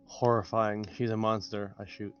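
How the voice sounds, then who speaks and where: A man's voice: on the low side, flat delivery, normal speed, fairly bright tone, faint music behind. A man chatting casually as a player in a tabletop game, on dull lo-fi audio.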